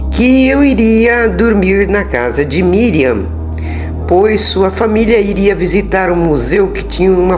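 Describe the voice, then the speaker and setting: A woman with a Brazilian Portuguese accent narrating a suspense story in a dramatic storytelling manner with drawn-out words. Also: low-pitched, darkish tone. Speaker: storyteller, channel host. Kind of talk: scripted horror story narration.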